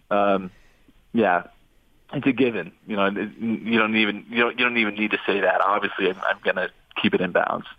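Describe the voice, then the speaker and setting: A man in his twenties talks through a phone line, the sound thin and narrow. His voice sits low and dry. He stumbles and restarts often as he chats. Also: no echo. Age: 20s. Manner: halting, many restarts and fillers. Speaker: former quarterback guest. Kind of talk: casual radio interview call-in.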